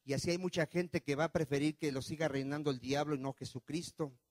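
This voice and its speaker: A man preaching a sermon as pastor, firing questions at the congregation and swinging between loud and soft. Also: fairly high pitch, steady tone, a little fast, no room sound. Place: church.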